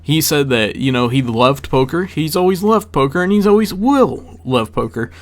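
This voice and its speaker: A man's voice: on the high side, animated, moderate pace. Man telling stories in casual gaming commentary. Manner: conversational, repeats words for emphasis. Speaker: gaming video creator. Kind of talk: casual storytelling commentary to viewers. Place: voice-over for a gameplay video.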